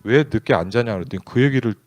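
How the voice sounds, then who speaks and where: Lively, animated male pastor. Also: mid-range voice, fast talker, no room sound. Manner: candid, conversational, acts out dialogue in quotes. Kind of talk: storytelling sermon.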